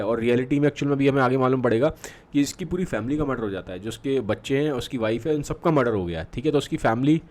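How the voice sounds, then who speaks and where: A man's voice: mid-range voice, a little mellow. A male literature teacher explaining a play in a Hindi and English mix, checking in often with the class. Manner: reads quoted lines slowly with fillers, frequent "theek hai".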